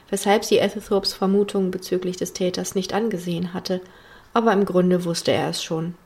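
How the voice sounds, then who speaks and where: A woman narrating a thriller audiobook in a measured storytelling manner with hushed passages. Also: medium pitch, slightly rough.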